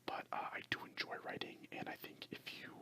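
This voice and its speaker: Unvoiced, breathy ASMR whisper. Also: fairly quick. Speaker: ASMR creator and amateur story writer. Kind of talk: whispered ASMR, reading a nature story and chatting to listeners.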